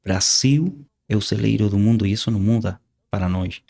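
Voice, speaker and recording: This guest preacher is a native Spanish speaker from Argentina whose accent marks him as Argentine. His voice sits on the low side, dark and fry-laden, and he preaches earnestly in an interview, pausing haltingly and repeating himself.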